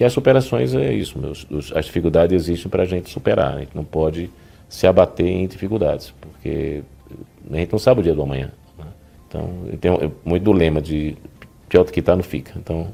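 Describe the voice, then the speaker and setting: A man's very deep, low voice at a fairly quick pace, with ordinary pitch variation and music in the background. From Brazil, Natal (Rio Grande do Norte). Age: 60s. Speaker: labor prosecutor. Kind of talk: oral history interview. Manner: halting, with fillers.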